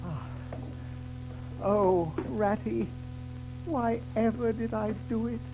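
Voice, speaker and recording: A woman playing a timid, homesick little male mole in a storybook audio drama, speaking plaintively and haltingly. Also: fairly high pitch, over music, low-quality recording. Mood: despondent.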